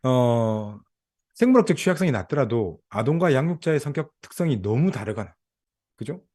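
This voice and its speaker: Middle-aged male lecturer, animated delivery, chatty with the room. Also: medium pitch, moderate pace. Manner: conversational, asks audience questions. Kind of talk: lecture to counselors.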